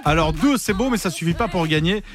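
A man's voice: sits high, lively intonation, fairly quick, music in the background. A man in his thirties hosting a radio game show, playful and chatty, laughing easily with callers. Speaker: radio host.

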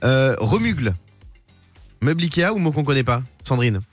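A man's voice: medium pitch, sing-song, normal speed, soft background music. A man hosting a morning radio show, telling odd stories and running quizzes with a playful, teasing manner. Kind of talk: lively morning radio chat.

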